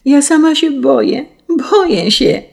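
A woman's voice: sits high, animated, measured pace, vocal fry, darkish tone, pitched above the performer's own voice, heavily acted. A woman voicing a frightened little girl who is crying and whimpering. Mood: panicked. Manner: whimpering, pleading.

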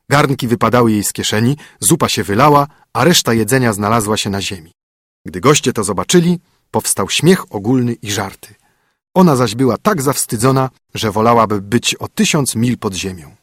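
A man reads a fairy tale aloud at a steady, measured pace. His mid-pitched voice is husky, recorded close and dry with no room sound. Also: no room sound. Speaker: narrator.

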